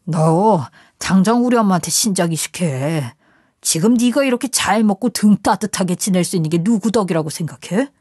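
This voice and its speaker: A woman's voice: mid-range voice, animated, unhurried, a little mellow, slightly rough, no echo. A woman voicing a manipulative, threatening husband in an audio story, coaxing and menacing by turns, recorded dry and close.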